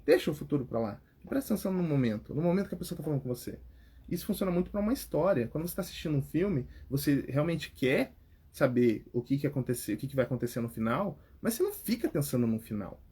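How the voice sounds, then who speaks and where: A young adult man with a Brazilian Portuguese accent, giving advice on public speaking as a coach in a direct, animated chat. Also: a little high, fast, breathy edge. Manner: animated, direct, repeats words and restarts. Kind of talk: casual advice talk.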